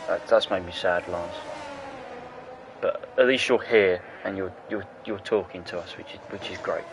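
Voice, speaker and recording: A man doing casual, jokey commentary on an online racing league, full of quick asides. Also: sits low, background noise. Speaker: race commentator.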